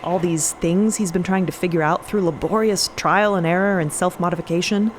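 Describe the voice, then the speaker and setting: A woman's voice: on the low side, steady tone, fairly quick, a little hiss or hum. A woman narrating scripted audio fiction in a dramatic storytelling style.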